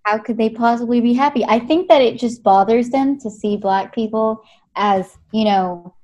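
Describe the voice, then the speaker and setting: A woman's voice: on the high side, normal speed, a little mellow, dull audio. Thoughtful woman on a podcast call. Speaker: podcast co-host. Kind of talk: casual conversation. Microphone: remote call.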